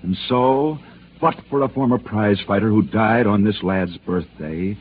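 A man hosting and narrating dramatic true stories in scripted radio style, with theatrical pauses. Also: lowish voice. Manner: theatrical storytelling with emphatic pauses. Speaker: sports storyteller host. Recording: tinny old radio broadcast with hiss.

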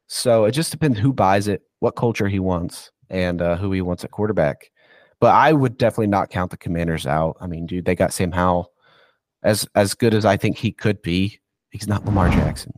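A man's voice: deep voice, moderate pace, dry recording, clean studio sound. Stuffy-nosed man ranting about football. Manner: rambling, goes on rants, says "dude". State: stuffy, congested from illness. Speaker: football insider guest. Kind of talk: casual podcast chat.

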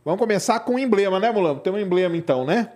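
A Brazilian man with a fairly high, darkish voice hosts a live podcast, chatting casually in slang-heavy speech. He talks expressively at a racing pace and often ends phrases with short questions seeking agreement.

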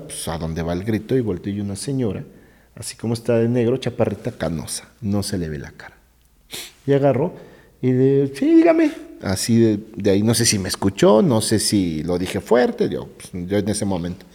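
A middle-aged man with a Mexican accent, a gravedigger invited as a guest, animatedly tells ghost stories in conversation. He narrates vividly and often sinks into hushed, low tones, and the room's reverb is noticeable.

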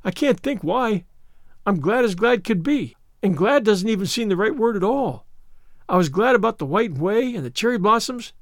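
Man voicing an excitable, high-pitched imploring orphan girl. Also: dry recording, clean studio sound. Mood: tearful joy. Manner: earnest, gushing, wordy. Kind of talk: audiobook character voice.

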